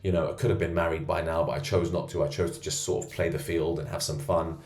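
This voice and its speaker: A man coaching men on self-improvement, rating himself out loud in a boastful, self-assured monologue from a co-working space. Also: low-pitched, level tone, fast talker. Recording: roomy echo.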